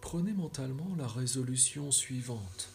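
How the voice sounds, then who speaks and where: A man guiding a relaxation meditation in a soft, soothing, measured way, giving instructions with pauses and slightly breathy phrase endings. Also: medium pitch, expressive, soft background music. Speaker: yoga nidra guide.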